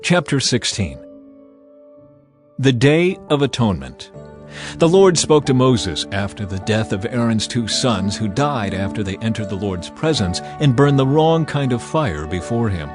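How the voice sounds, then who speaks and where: A male narrator delivers dramatized scripture over a clear musical backing. His pitch moves widely through each phrase, while the delivery stays solemn, measured and declarative. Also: very animated, over music.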